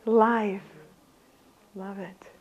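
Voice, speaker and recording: A woman leads a workshop in front of a live audience. She is lively and laughs easily, and she keeps turning questions back to the room. Her motivational talk has a warm, inviting flow. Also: mid-range voice, extremely slow, lo-fi sound. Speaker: speaker leading a workshop.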